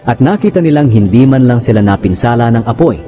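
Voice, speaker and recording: A man narrating scripture in a measured, solemn, scripted style, with music underneath. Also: medium pitch, expressive, highs cut off. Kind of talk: scripted dramatized Bible narration.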